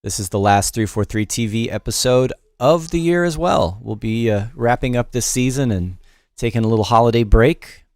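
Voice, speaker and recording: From his home studio in New York, a middle-aged man runs a casual, improvised livestream tutorial on music production, greeting chat viewers and full of fillers and restarts. His voice is lowish, with no echo.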